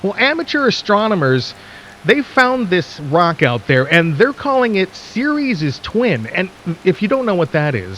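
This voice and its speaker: A man playing a folksy late-night radio DJ in a radio drama, speaking intimately and conversationally to listeners with theatrical pauses and a skeptical, intrigued air. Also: a little high, slight background noise. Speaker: radio host.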